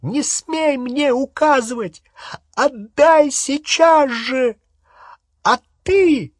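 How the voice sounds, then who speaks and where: A man's voice: sits high, big pitch swings, a little slow, fairly bright tone, slightly rough, no echo, studio quality, voice pushed up, exaggerated voice. A man reading an audiobook, voicing a furious teenage girl witch who screams and mocks sarcastically. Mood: furious shrieking.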